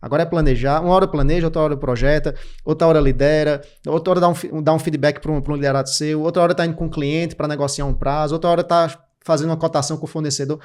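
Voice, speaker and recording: A Brazilian man in his thirties, a podcast guest, explaining career habits in quick, clipped lists with lots of energy. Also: a little high, fairly even intonation, darkish tone. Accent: Brazilian Portuguese. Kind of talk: didactic interview talk.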